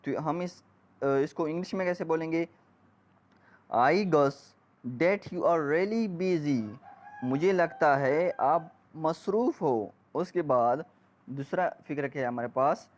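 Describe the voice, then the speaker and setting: A man's voice: on the high side, takes it slowly. A man with a South Asian accent teaching English phrases one by one, drawing out each example sentence with careful enunciation. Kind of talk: bilingual phrase-by-phrase language lesson. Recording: dull, lo-fi microphone sound.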